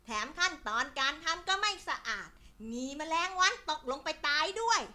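A woman's voice: extremely high pitch, sing-song, moderate pace, sharp tone, full character voice. A woman voicing a hardworking little ant who lectures in a stern way, in a children's storybook. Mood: scolding. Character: diligent scolding little ant.

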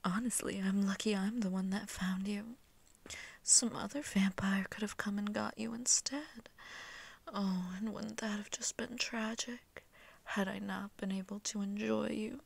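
A woman voicing a seductive, haughty vampire mistress in a slow, teasing, breathy whisper for an ASMR roleplay, close to the mic. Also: mid-range voice, steady tone, no echo. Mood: mocking, seductive. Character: seductive, haughty, hungry female vampire mistress toying with prey. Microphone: close microphone.

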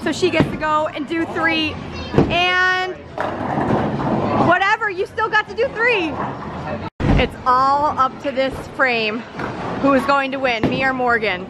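A woman's voice: high voice, a little slow, pauses often. A woman vlogging with a handheld camera, chatting playfully and narrating a bowling game as she plays. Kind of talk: casual vlog commentary. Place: busy bowling alley, indoors. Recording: loud crowded bowling alley noise. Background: loud crowd and alley noise.

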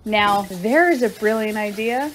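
An actress plays a wry daughter in a radio drama, with a medium-pitched female voice. She sounds conversational and skeptical, over faint background noise. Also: a little slow, close to an everyday voice. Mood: wry, casual. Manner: conversational, sardonic.

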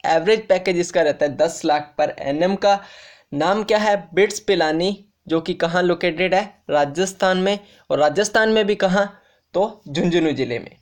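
A man presenting an informal explainer for students, speaking straight to viewers as friends and restating each fact more than once. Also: high voice. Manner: repetitive, restates facts, addresses viewers as friends. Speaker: education YouTuber.

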